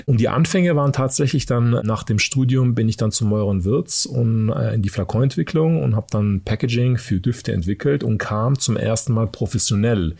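A man's voice: mid-range voice, moderate pace, vocal fry, few pauses, dark tone. A man from Germany, a marketing head, leading a casual interview fluently and in a friendly, welcoming way.

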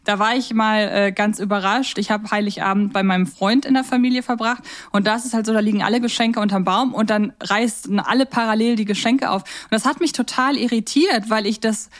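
A woman's voice: a little high, fairly even intonation, a little fast, hardly any pauses. A woman from Germany chatting informally as a podcast co-host, telling stories in a conversational way. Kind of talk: casual conversational podcast chat.

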